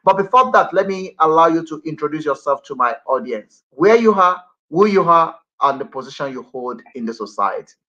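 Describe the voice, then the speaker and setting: Man, radio talk host, higher voice, bright, repeats phrases, fillers. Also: animated, a little fast, few pauses, muffled recording. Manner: talkative, repeats himself, many fillers. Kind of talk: broadcast interview.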